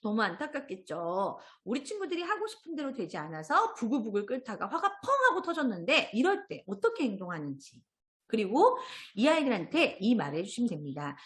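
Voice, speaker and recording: Woman trainer on a video call, super animated, keeps acting out questions for little kids, voice on the higher side. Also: a little fast. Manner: animated, acts out sing-song questions to children. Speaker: parenting and early childhood education trainer. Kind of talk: online teacher training lecture.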